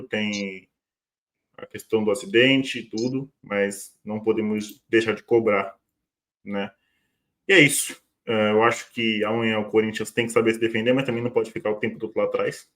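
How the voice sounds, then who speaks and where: Dude giving his opinion on the match, lowish voice, repeats himself. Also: fairly bright tone. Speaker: fan channel pundit. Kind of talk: casual pre-match talk.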